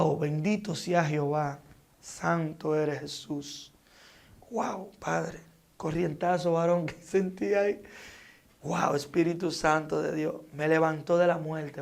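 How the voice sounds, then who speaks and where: A man's voice: fairly high pitch, gravelly, a little mellow. A man giving a fervent, dramatic testimony as an interview guest, acting out his story with sound effects. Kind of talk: emotional testimony.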